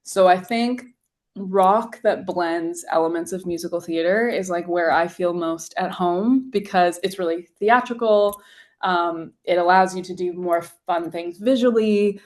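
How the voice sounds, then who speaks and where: Chatty young woman, low-ish voice. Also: a little slow, darkish tone. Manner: chatty, heavy use of "like" fillers. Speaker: singer-songwriter guest. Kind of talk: casual interview chat.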